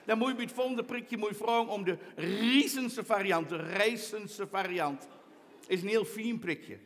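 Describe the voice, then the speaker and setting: A man's voice: high voice, big-room sound, noisy background. A man with a Twents accent doing chatty, teasing stand-up comedy, hosting a quiz from a theater stage. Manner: chatty, teasing, quick asides.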